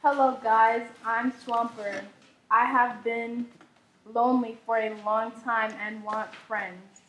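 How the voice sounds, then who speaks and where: A woman's voice: fairly high pitch, fairly even intonation, takes it slowly, a bit bright. A young woman playing a lonely, friendly swamp creature in an amateur puppet show. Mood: forlorn. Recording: echoey room, clear background noise.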